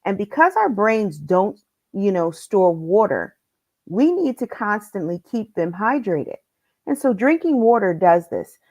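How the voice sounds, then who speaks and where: A woman's voice: mid-range voice, sing-song, unhurried, darkish tone. Upbeat woman life coach, middle-aged, streaming live, voice a bit heavy from allergies. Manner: upbeat, addresses viewers directly. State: congested from allergies.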